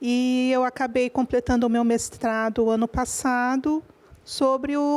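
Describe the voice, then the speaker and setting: A woman, her pitch varying in an ordinary way, speaks at a very slow pace. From Brazil, São Paulo. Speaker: architect and art restorer. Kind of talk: TV interview.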